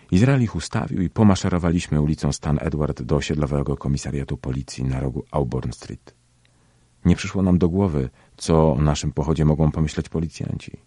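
A man reading a first-person story aloud in a steady, measured way. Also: very deep voice, breathy edge, no room sound. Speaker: audiobook narrator.

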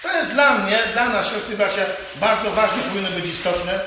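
Man, preacher, sermon, high voice, repetitive emphatic phrasing, booming room echo, slight background hiss. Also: lively intonation, normal speed. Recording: roomy hall with long reverb, faint noise.

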